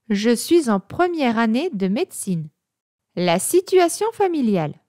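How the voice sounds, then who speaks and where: A woman teaches vocabulary in a slow, carefully measured delivery. Her fairly high voice moves up and down, giving the scripted lesson a lively shape. The recording is dry and close. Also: dry recording.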